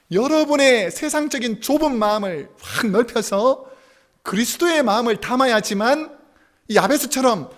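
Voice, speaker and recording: A male pastor preaching a Sunday sermon in a church, acting out husband-and-wife exchanges and bantering with the congregation. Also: high voice. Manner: animated, acts out spouses' quips, chuckles with congregation. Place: church sanctuary.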